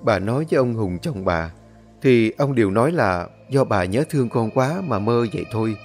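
Man narrating a slow ghost story. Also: on the low side, animated, a little mellow, soft background music.

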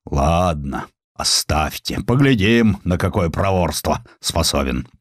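A man's voice: low voice, animated, takes it slowly, dry recording, studio quality, exaggerated voice. Man acting a ferocious miserly merchant, swooping scolding. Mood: grudging. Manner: gruff, scolding, rustic colloquial speech. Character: ferocious miserly provincial merchant uncle, male.

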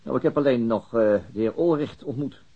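Weary, husky police detective. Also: male voice, mid-range voice, fairly quick, muffled recording. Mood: musing, hesitant. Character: weary middle-aged city police detective, male, mildly gloomy. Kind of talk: naturalistic radio drama acting.

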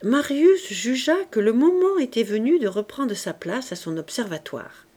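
A woman narrating a classic novel as an audiobook reader, in a measured, expressive way. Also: fairly high pitch. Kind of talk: scripted narration.

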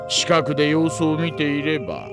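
A wily middle-aged police detective for an audio drama. His voice sits slightly high and swoops around with oily, formal politeness, over background music. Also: big pitch swings, moderate pace. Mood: calm persuasion. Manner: unctuously polite, insinuating, chuckling formality. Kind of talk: Japanese audio drama acting.

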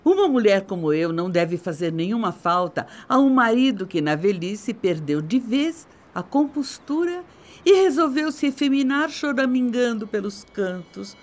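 An actress with a Brazilian accent playing a bitter, haughty middle-aged wife in a radio soap opera, mocking and theatrical. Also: female voice, on the high side, lively intonation, moderate pace, lightly acted. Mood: mocking, scornful. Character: bitter, scornful middle-aged wife leaving her husband.

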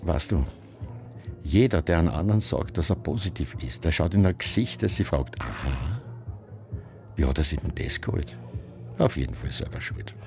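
A man's voice: rumbling low, expressive, normal speed, a little mellow, faint music behind. An actor playing a proud, guarded gay man in a radio drama, speaking bluntly. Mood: bitter, defiant.

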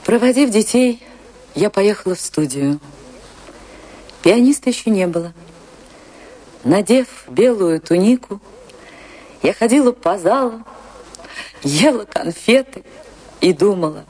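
An actress playing a famous dancer who recalls her tragic life in a measured, impassioned and sorrowful radio monologue with dramatic pauses. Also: mid-range voice, animated, mellow, slightly rough. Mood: reflective. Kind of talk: dramatic first-person radio play monologue.

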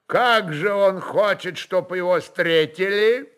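A man's voice: high voice, slow, fairly bright tone, clean tone, voice pushed up. A man voicing a haughty, impatient governor of old Russia in an audio story, stern and commanding. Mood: stern warning.

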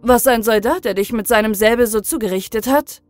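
A stern, curt town judge, a man of short questions and hard rulings, as a woman reader plays him. The voice is somewhat high, with faint music behind in this storybook audiobook. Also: a little fast, darkish tone, natural voice.

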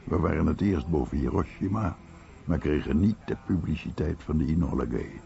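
A man playing an American war veteran in a radio play, recalling his comrade reflectively in a gravelly voice. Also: a bass voice, expressive, moderate pace, warm tone, full character voice. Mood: wistful reflection. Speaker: voice-over of a veteran's testimony. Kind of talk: documentary radio play monologue. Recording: dull, noisy radio recording.

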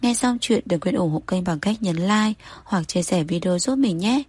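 A woman narrating a romance novel as host of a story channel, in an even, steady reading manner. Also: on the low side, moderate pace, breathy edge, no room sound.

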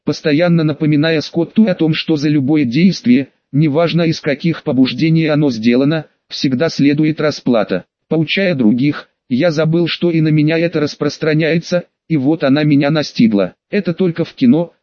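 Male audiobook narrator, calm and measured, slightly high voice, dull lo-fi sound. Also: dry recording. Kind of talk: first-person audiobook narration. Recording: dull, dry lo-fi recording.

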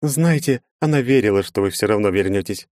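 A man's voice: lowish voice, animated, fairly quick, a little mellow, no room sound, clean studio sound, voice pushed up, natural voice. A man reading an audiobook voices a courteous young female administrator welcoming a guest. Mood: eager polite. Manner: eager and courteous.

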